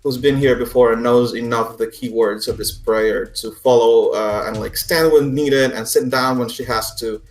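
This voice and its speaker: A man narrates a tabletop game as game master in a mid-pitched voice. He explains scenes in a halting, conversational way, recorded in a roomy, echoey space with soft music underneath. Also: steady tone. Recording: echoey room.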